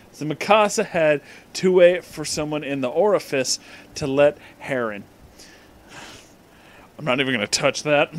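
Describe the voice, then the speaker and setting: A man with a slightly high voice hosts a comedic fan fiction reading, playing up the misspelled words and tossing in mocking, profane side comments.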